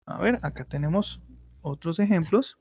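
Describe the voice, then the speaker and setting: Male English teacher, high and gravelly, patient step-by-step explainer, dull lo-fi recording. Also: animated, moderate pace, darkish tone, dry recording. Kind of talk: explaining grammar in an online class.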